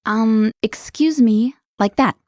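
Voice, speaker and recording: A woman's voice: a little high, slow, a little mellow, no echo, clean studio sound. Upbeat woman hosting a language lesson. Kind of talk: scripted lesson dialogue.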